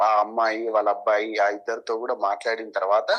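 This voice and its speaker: A man's voice: lowish voice, little pitch movement, fast, muffled recording. A man with a Telangana Telugu accent giving an interview account as a local activist, insistent and repeating his points.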